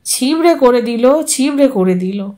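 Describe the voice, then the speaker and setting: A woman's voice: high-pitched, lively intonation, a little slow, mellow. A woman voicing a weary, bitter poor wet nurse.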